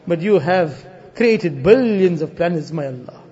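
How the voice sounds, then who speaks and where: A Muslim preacher, a man, leading an emotional, pleading congregational prayer with repeated refrains, moving between hushed appeals and loud cries. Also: a little high, lively intonation, measured pace, breathy edge. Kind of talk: impassioned supplication with repeated refrains. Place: live religious gathering. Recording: muffled, dull lo-fi live recording.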